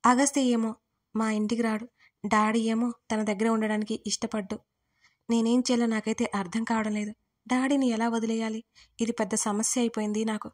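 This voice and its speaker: A woman's voice: on the high side, level tone, moderate pace. A young adult woman telling a romantic audio story in the first person, in an intimate, emotional narrating voice.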